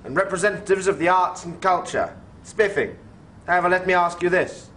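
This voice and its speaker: A man plays a preachy government official in an old-style sci-fi film. He makes speeches in a somewhat high voice over a faint hiss. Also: brisk, pushed and bright. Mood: earnest. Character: earnest male government official. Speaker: government representative. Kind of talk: 1950s B-movie acting.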